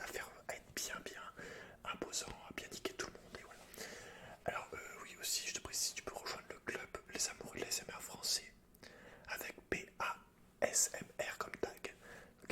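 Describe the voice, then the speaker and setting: A man speaking in a breathy, unvoiced whisper with a hushed, intimate ASMR delivery. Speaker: ASMR gaming YouTuber. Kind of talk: whispered ASMR story reading and game commentary.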